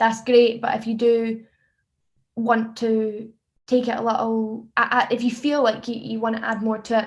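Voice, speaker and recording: Against a quiet background, a woman with a fairly high pitch and a somewhat breathy voice speaks at a moderate pace in a monotone, flat way. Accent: Scottish. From Scotland, Dundee. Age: 20s. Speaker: singer-songwriter. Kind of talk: online songwriting workshop. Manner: hesitant, many fillers and repetitions; casual.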